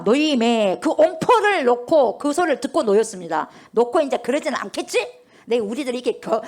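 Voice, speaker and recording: Woman pastor preaching, animated and questioning the congregation throughout. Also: fairly high pitch. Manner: rhetorical questions, constantly addressing the congregation. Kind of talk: sermon.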